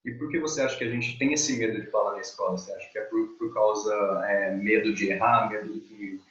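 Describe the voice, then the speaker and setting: A man's voice: lowish voice, steady tone, fast, a bit bright, echoey room, dull audio. A man with a Brazilian Portuguese accent hosting a casual interview over a video call, encouraging and explaining at length. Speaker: interviewer, channel host.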